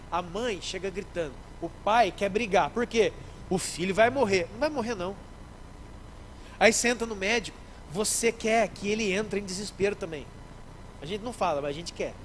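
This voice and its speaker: A man, a pastor preaching a sermon in church, lively, acting out little scenes and speaking straight to the congregation. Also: high voice, a little hiss or hum, rough recording. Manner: animated, acts out scenes, addresses the congregation directly.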